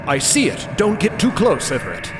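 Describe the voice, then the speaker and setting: A man's voice: high-pitched, wildly swooping pitch, normal speed, voice pushed up. Man playing an anxious, wary space explorer. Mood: alarmed. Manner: hesitant, urgent. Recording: loud music behind voice.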